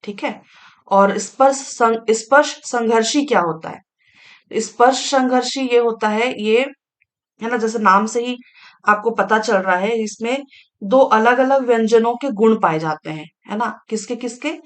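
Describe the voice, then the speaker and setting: A woman teaching an exam-prep grammar lesson, patient and repetitive, often checking in with listeners. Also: on the high side. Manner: slow and patient, frequent tag questions and fillers.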